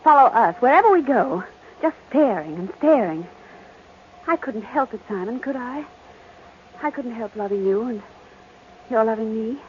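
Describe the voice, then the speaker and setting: Actress as anxious rich young wife, sweeping intonation. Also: female voice, a little high, lively intonation, moderate pace, pauses often, lightly acted. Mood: fretful. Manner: theatrical, emphatic, indignant. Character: rich, anxious, imperious young married woman. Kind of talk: old-time radio melodrama acting. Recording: muffled, noisy old radio recording.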